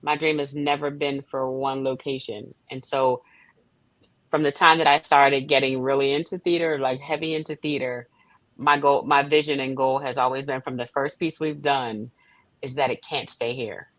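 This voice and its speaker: A woman's voice: very deep voice, fairly even intonation, normal speed, dry recording, low-quality recording. A woman guest talking conversationally in an interview, earnest and emphatic. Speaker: playwright and director, guest.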